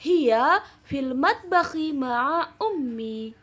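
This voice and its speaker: A polite, helpful schoolgirl from a textbook dialogue, read aloud by a woman teacher. Her high voice moves with lively pitch, and the reading is slow and careful. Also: heavily acted.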